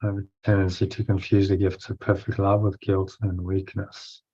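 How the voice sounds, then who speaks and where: Low-voiced, monotone man guiding meditation. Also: husky. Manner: instructional, pausing between short phrases. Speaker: guided meditation teacher. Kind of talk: guided breathing meditation with read affirmations. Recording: dull, lo-fi sound.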